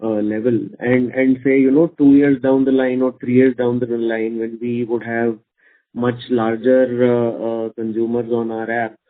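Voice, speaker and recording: A man's voice: medium pitch, little pitch movement, unhurried. A man asking an analyst's question on an earnings call, hesitant and roundabout in his phrasing. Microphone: conference phone call. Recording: narrow tinny phone line.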